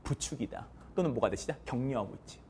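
A man's voice: medium pitch, expressive, fast, background noise. A male English teacher lecturing a class, drilling students with call-and-response and counting them in. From South Korea.

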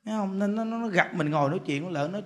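A man's voice: sits high, fast talker, fairly bright tone. A man with a Southern Vietnamese accent, a Buddhist monk giving a humorous storytelling sermon. He jokes, chats and repeats words as he builds a point.

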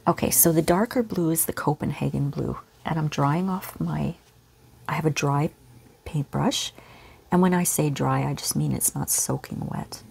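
A woman teaching a relaxed real-time painting lesson at home, speaking softly and often half-whispering. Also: sits low, moderate pace, gravelly, a little hiss or hum. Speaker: art teacher. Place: home studio with pets nearby.

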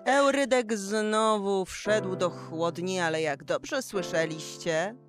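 Woman narrating a kids story, slow, lowish voice, music under her.

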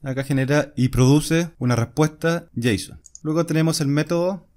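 A programming instructor walks through a coding screencast step by step as he types, with keyboard typing and clicks in the background. His voice is a little high and a little mellow, at a moderate pace.

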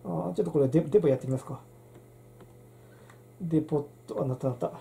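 A woman's voice: deep voice, quick pace, vocal fry, dark tone. A middle-aged woman, hosting a casual handwriting lesson and rambling with many fillers and restarts. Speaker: channel host.

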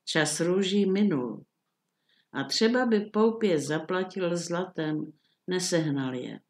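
An older woman reading a classic fairy tale aloud in a calm, measured storytelling manner. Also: lowish voice.

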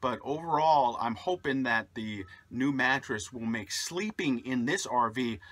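A man's voice: medium pitch, measured pace, no room sound. Man chatting casually inside a motorhome. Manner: relaxed, many "uh" fillers, upbeat sign-off. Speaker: vlogger. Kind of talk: casual vlog talk to camera. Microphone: camera mic at close range.

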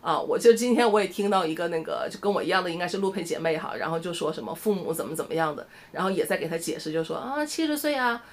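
A middle-aged woman from Shenyang talks quickly in a Northeastern Mandarin accent. She chats to camera as a vlogger and tells her story animatedly, tagging her phrases as she goes. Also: low voice. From Shenyang, northeast China. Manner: chatty, animated storytelling with lots of "哈" tags. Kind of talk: casual chat to camera.

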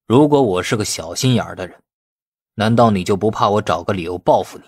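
A man's voice: lowish voice, animated, brisk, no echo, clean studio sound. A man voicing a stern middle-aged police chief in an audiobook, questioning with patient, insinuating manner. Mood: stern, sarcastic.

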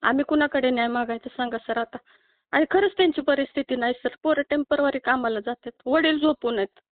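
A woman's voice: sits high, fairly quick, dry recording. A woman from Maharashtra calling over the phone to ask for help, pleading and upset, often ending her points with a questioning tag. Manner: pleading, tearful, keeps adding questioning tags. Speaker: caller asking for help. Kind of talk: phone call complaint. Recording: tinny dry phone line.

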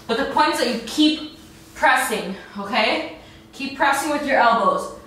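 A young adult woman, a fitness instructor, gives casual workout instructions and explains each exercise in a high-pitched, expressive, unhurried voice with a fairly bright tone. She's in a bare white indoor room, and the distant mic picks up echo and faint noise.

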